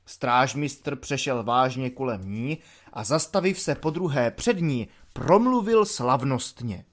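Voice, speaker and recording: A man narrating a story in an audiobook with expressive storytelling. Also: medium pitch.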